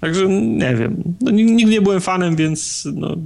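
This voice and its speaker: With noticeable background noise behind him, a man talks at a moderate pace while his pitch swings very widely. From Poland, Gdynia. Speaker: podcast co-host. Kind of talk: casual chat.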